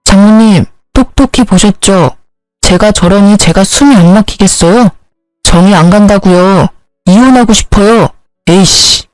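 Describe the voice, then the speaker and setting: A woman's voice: medium pitch, moderate pace, darkish tone, no echo, faint music behind, close to an everyday voice, poor audio. Storybook husband, petty and bossy, barking orders in a dry, close voice, as a woman reads him. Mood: demanding. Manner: curt, demanding, scolding. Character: rude entitled young husband, bossy and petty.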